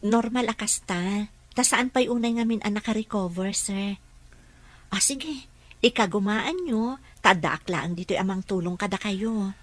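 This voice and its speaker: A woman playing a patient, dutiful mother and caregiver in an Ilocano radio drama, gentle and apologetic. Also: mid-range voice, unhurried, close to an everyday voice.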